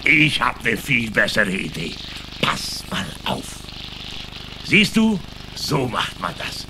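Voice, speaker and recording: An actor playing an excitable, clever know-it-all cartoon animal, chatty and exclamatory. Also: male voice, lowish voice, takes it slowly, exaggerated voice. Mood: pleased, showing off. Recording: clear background noise.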